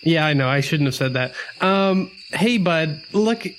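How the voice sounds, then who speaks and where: Man as a nervous, higher-voiced adventurer. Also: expressive, background noise. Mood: nervous, placating. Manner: halting, stammering. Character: nervous, placating male adventurer calming a beast.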